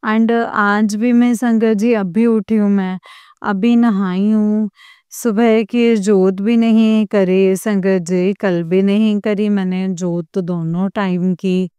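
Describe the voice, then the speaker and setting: Slow, halting older woman giving testimony. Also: medium pitch, fairly even intonation, mellow, clear, resonant tone, no room sound. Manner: halting, with frequent pauses and respectful address to the congregation. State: weak after a fever. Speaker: devotee sharing a testimony. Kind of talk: devotional personal testimony.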